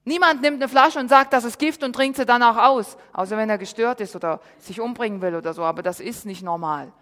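A woman pastor delivers a sermon in an emphatic style, her voice sitting a little higher than most women's. She swings between loud, insistent lines and hushed asides. A long reverb of a large church hall trails after each phrase. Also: fairly quick.

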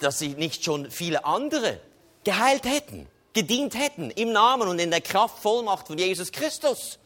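A man's voice: sits high, fairly bright tone. A man preaching a sermon in a conversational way, often checking in with the congregation. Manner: conversational preaching, tags with "oder?".

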